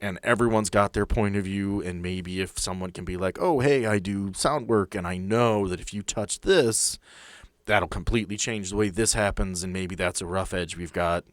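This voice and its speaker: A man with a fairly low voice talks as a game master hosting a podcast. He is casual, earnest and plain-spoken. The sound is dry, with little room to it. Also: moderate pace, no echo.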